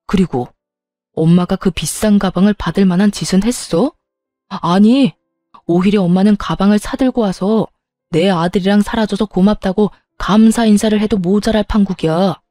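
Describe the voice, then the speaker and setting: A woman's voice: mid-range voice, normal speed, no room sound, soft background music, close to an everyday voice. A woman voicing a furious grown son who reproaches his mother and coldly breaks ties with her, in a scripted story. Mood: bitter. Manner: shouting reproach, then cold resolve.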